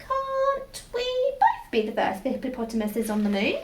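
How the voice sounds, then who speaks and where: A female-sounding voice performs a put-on character voice at a moderate pace. Light background noise sits underneath. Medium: read story.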